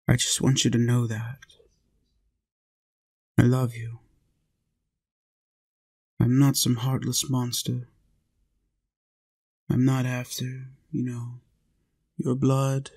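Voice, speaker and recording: In this intimate roleplay audio, a medium-pitched man voices a centuries-old vampire, lonely and tender. His delivery is soft and earnest, as though confiding.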